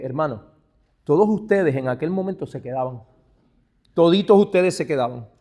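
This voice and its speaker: A man from Puerto Rico with a Puerto Rican Spanish accent, a pastor teaching other pastors. He calls his listeners brother, asks them rhetorical questions, and moves from hushed asides to emphatic, stressed phrases. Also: a little high. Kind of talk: church teaching talk.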